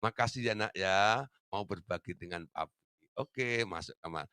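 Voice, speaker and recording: A man voicing a fond, middle-aged father who gently coaxes his children. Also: sits low, moderate pace, clear, resonant tone, dry recording, pitched below the performer's own voice. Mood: coaxing.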